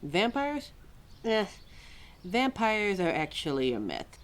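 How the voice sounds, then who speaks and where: A woman playing a quirky, exasperated, motherly keeper of forgotten lore in an ad-libbed audio roleplay, chatty and wry with halting, musing asides. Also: medium pitch, very animated, slight background noise. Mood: informative, amused. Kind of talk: ad-libbed ASMR-style roleplay, talking to a listener.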